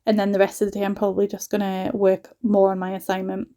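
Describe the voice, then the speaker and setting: A woman from northeast England with a soft mixed Geordie and Scottish accent, chatting casually through a home vlog voiceover with lots of "like" asides. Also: medium pitch, completely flat delivery, fast. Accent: soft mix of Geordie and Scottish. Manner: chatty, rambling, frequent "like" asides. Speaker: home vlogger and mother.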